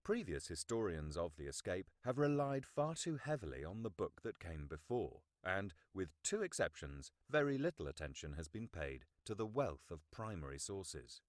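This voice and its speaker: Deep-voiced male audiobook narrator. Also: big pitch swings, no echo, studio quality. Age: middle-aged. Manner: measured, articulate, formal. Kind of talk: scripted nonfiction audiobook narration.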